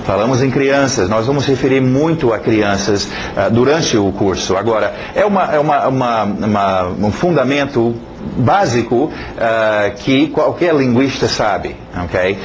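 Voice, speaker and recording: A male English teacher, a native English speaker, introducing his course in casual, chatty Portuguese, often checking in with "ok?" and pausing on fillers. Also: medium pitch, animated, lo-fi sound, a little hiss or hum.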